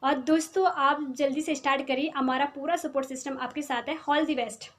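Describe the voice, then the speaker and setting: A woman's voice: steady tone, moderate pace. A 22-year-old woman from Dehradun giving an eager testimonial about her online business. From Dehradun, Uttarakhand, India. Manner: eager, upbeat pitch. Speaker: network marketing member. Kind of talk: testimonial self-introduction.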